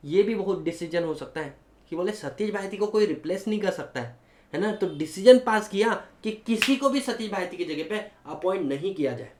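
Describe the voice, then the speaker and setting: A man with an Indian accent teaching law to a class, animated and switching between Hindi and English, often asking students if they follow. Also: sits high, normal speed, reverberant, a little hiss or hum. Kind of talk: classroom lecture.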